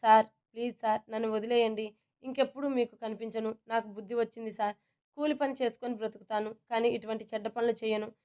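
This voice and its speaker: A man's voice: extremely high pitch, fairly even intonation, fast talker, darkish tone, clean tone. A woman reading a storybook and voicing a beaten male thug who begs feebly. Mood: pleading. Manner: feeble, begging. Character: beaten, pleading male thug, weak and pitiful.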